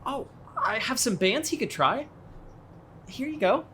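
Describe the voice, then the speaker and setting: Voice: medium pitch, big pitch swings, unhurried, fairly bright tone, a little hiss or hum. A young adult actor playing a friendly, worried small-town boat owner in an audio drama, speaking in a conversational, earnest way. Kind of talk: naturalistic audio drama acting.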